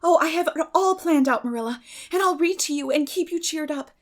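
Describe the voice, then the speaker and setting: A woman voicing a bright, determined, idealistic sixteen-year-old girl in a dramatic audiobook, eager, effusive and dreamy. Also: sits high, fairly quick, voice pushed up, natural voice. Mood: eager, cheerful. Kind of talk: dramatic audiobook reading of a classic novel.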